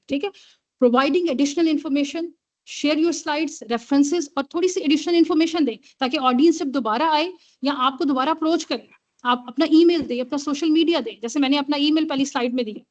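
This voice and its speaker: Brief: woman lecturer, high voice, steady teaching tone that keeps checking in with students, dull call audio. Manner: code-switching, repeats "theek hai?" to check in with listeners. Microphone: computer mic on a video call.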